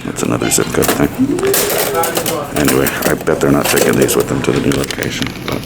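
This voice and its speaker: A man's voice: extremely low pitch, brisk, creaky, heavy background noise. An American man rambling casually in a wry, musing way as he narrates a vlog while exploring. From United States. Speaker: vlogger.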